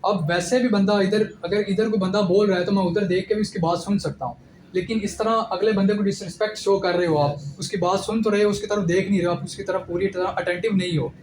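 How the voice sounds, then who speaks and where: A man's voice: high-pitched, fairly even intonation, fast talker, darkish tone. A young man giving direct, instructive advice in an informal lecture about his selection-board experience. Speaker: ISSB candidate giving advice. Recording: echoey room with clear background noise.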